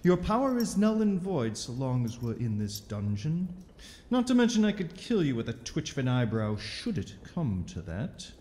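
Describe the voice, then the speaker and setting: An actor playing a stern, contemptuous sorcerer interrogator in a fantasy audio drama, imperious, menacing and deliberate. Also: male voice, fairly high pitch, very animated, mellow. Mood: menacing contempt. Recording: long echoing reverb, noisy ambience.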